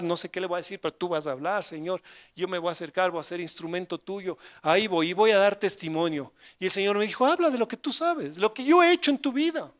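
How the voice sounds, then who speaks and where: An older man preaching a sermon, telling a story and asking the congregation rhetorical questions, swinging from loud declarations to hushed asides. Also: high voice. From Ecuador. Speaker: pastor.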